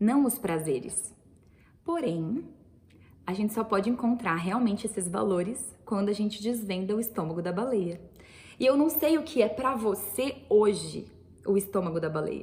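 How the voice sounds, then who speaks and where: With audible room echo, a woman talks at a moderate pace in a fairly high, somewhat breathy voice with lively intonation. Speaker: online teacher. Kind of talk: online lecture.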